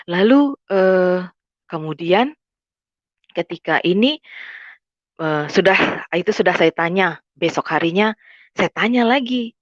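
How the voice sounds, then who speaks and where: A woman recounts a personal testimony in a hesitant, halting way, pausing on fillers as she retells old conversations. Her voice sits low for a woman and sounds dry and a little dull, like a lo-fi recording. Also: no room sound. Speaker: testimony speaker.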